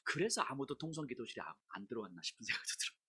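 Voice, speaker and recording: A woman's voice: extremely low pitch, very animated, rapid-fire, pushed and bright, breathy edge, dry recording. A middle-aged woman pastor giving a sermon, telling a personal story and at times raising her voice to replay her complaints.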